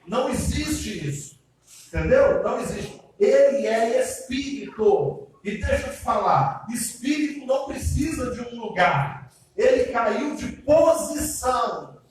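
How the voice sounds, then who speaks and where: A man's voice: very high voice, big pitch swings, measured pace. A man preaching as pastor, chatty and speaking straight to the congregation with frequent check-in questions. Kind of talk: sermon, question and answer service. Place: church hall. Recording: very echoey church hall, heard from a distance with faint noise.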